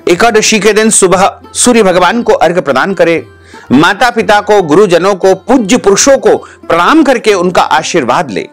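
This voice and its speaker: A male Hindu priest with a high, very animated voice gives devotional ritual instructions. He moves between plain guidance and long chanted Sanskrit vows. Faint instrumental music plays beneath him. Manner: gives step-by-step instructions to viewers.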